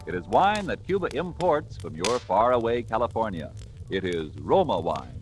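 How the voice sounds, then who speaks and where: A man's voice: lowish voice, very animated, moderate pace, music in the background. A man voicing a courtly male Cuban host giving a gracious, formal toast in an old radio ad. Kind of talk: 1940s radio acting.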